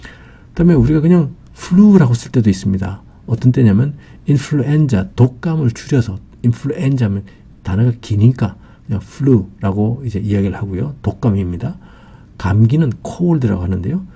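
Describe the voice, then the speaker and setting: A man's voice: medium pitch, animated, a little fast, vocal fry, dark tone, slightly rough. A man giving an English vocabulary lesson, explaining patiently with many fillers.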